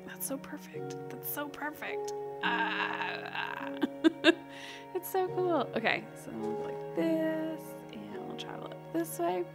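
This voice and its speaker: Giggly girl gamer woman, really high lively voice, chatting away casually, faint music behind her. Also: slow pace. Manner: giggly, excitable, often talks to herself and the game animals. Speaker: gaming video host. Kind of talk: casual, chatty game playthrough commentary.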